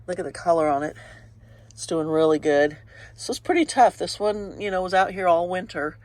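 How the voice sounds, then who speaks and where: Walking through her garden outdoors in the early morning, this woman chats casually as a vlogger, meandering from one thing to point out to the next. Her voice is lowish, congested and sniffly, with lively intonation, a moderate pace, and a darkish tone in a dry recording.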